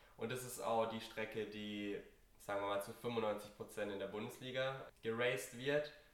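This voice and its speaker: A man talks at a moderate pace in a medium pitch, with fairly even intonation. Audible room echo surrounds his voice. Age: 20s. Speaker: triathlete. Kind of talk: interview. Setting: in person.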